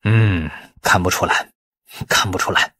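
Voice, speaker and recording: A man's voice: sits low, unhurried, bright, forceful tone, pitched below the performer's own voice, exaggerated voice. A man voicing a lecherous older official in an audiobook, drawling and hesitant. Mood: musing, ingratiating.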